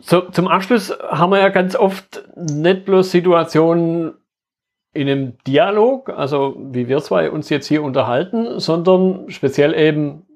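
Gravelly-voiced male podcast host. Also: a little high, measured pace, darkish tone. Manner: reflective, summarizing interviewer. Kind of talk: interview questions.

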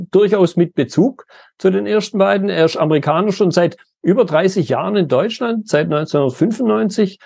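Male podcast host, measured delivery, husky timbre, dry close-mic sound. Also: high voice, a little mellow, dry recording. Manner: measured scripted intro, then conversational questions. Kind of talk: podcast intro and interview.

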